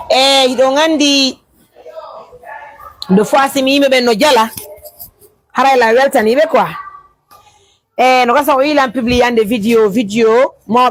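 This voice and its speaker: Speaking in a slightly high voice with no room sound, this adult woman with children, from Guinea, hosts a casual live stream. She blends French with a local language while reading and responding to viewers' comments.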